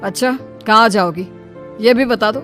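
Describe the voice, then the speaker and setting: A woman's voice: on the high side, moderate pace, fairly bright tone, faint music behind, natural voice. A woman voicing a casual, dismissive young husband and son in a cartoon story.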